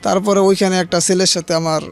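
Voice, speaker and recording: A man's voice: high voice, little pitch movement, brisk, faint music behind. A man telling his life story as an interview guest, hesitant and plain-spoken, with frequent restarts. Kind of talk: halting personal storytelling.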